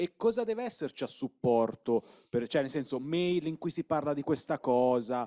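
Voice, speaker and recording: Dark and mellow in tone, a man speaks with ordinary pitch variation. The background stays quiet. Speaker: training participant. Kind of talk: audience question. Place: classroom.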